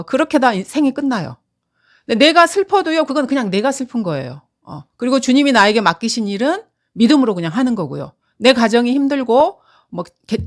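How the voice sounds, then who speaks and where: A middle-aged woman teaching a Bible lesson in an earnest, conversational way, with frequent fillers. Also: a little high.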